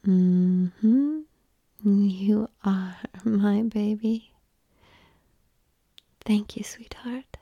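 A woman whispering softly and calmly in an ASMR roleplay, coaxing the listener through slow breathing, close to the microphone. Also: mid-range voice, no room sound, dull audio. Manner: soft unvoiced whispering; calm, coaxing breathing guidance.

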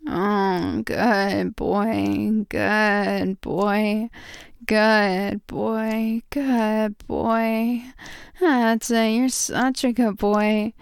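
Slow, intimate woman with a creaky murmur. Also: mid-range voice, level tone, no room sound, studio quality. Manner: breathy murmurs, soft whispering, drawn-out cooing praise. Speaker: erotic audio performer playing a dominant, affectionate lover. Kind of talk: intimate erotic audio roleplay addressed to the listener.

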